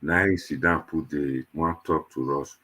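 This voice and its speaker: A Nigerian man hosts a panel show in easygoing Nigerian Pidgin. His voice sits very low and has a rough, husky grain. He talks conversationally to viewers, rambling and repeating himself as he goes. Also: steady tone, measured pace, bright, forceful tone. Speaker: host of an online diaspora panel show. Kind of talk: casual show introduction to viewers.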